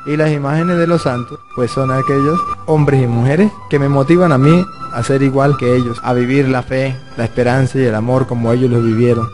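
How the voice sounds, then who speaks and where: A man's voice: medium pitch, steady tone, fairly quick, few pauses. A man, a Catholic priest, preaching a Bible lesson in an earnest way, explaining through stories and questions. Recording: music playing underneath.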